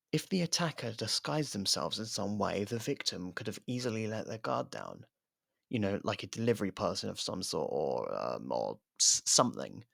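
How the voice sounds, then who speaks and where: Gravelly, low-voiced sardonic murderer played by a man. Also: dry recording, studio quality, heavily acted. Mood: wry, reluctant. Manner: sardonic, foul-mouthed, needling. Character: guarded, sarcastic convicted murderer helping a detective on a case. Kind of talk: ASMR roleplay audio drama.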